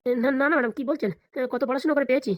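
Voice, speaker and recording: Woman doing a rapid-fire flustered cartoon police officer. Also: high-pitched, no room sound, natural voice. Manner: stammering, hesitant, placating. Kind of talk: comedy cartoon dialogue.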